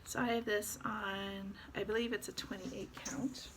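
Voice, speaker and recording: A woman's voice: mid-range voice, level tone, unhurried, a bit bright, slight background noise. A woman chatting casually about her cross-stitch projects, rambling with fillers as she shows her work. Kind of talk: casual show-and-tell chat.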